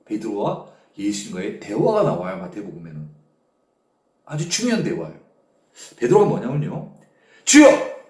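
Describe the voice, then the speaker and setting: A male pastor giving an animated sermon, often prompting listeners with short questions. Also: fairly low pitch, moderate pace, pauses often. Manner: animated storytelling, constant "eh?" prompts to the audience. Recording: echoey room.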